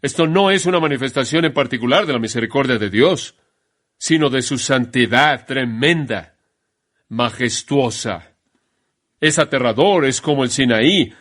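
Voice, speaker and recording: A man preaching a sermon in an emphatic way, slowing down to stress key phrases. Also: mid-range voice, animated, fairly bright tone.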